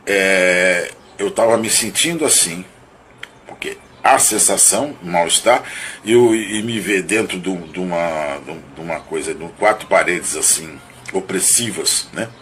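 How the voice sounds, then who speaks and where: Male, lowish pitch, bright tone, reflective monologue, hesitant and self-correcting, faint background noise. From Brazil (Rio de Janeiro). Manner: halting and searching, with many restarts and repeated words; thoughtful, hedging, self-analytical. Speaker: narrator recounting and analyzing his own dream.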